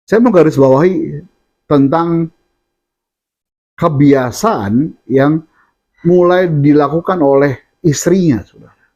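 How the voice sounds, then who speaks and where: A man's voice: fairly high pitch, slow pace, pauses often, a little mellow, lo-fi sound. A man preaching a sermon, often addressing his listeners directly between filler sounds and restarts.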